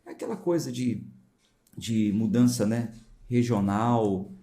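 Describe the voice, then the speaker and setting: Man, pastor, São Paulo accent, warm dark tone, Bible reading with casual commentary. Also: fairly low pitch, takes it slowly. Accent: São Paulo Portuguese. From São Paulo, Brazil. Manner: conversational, explains with informal asides to viewers.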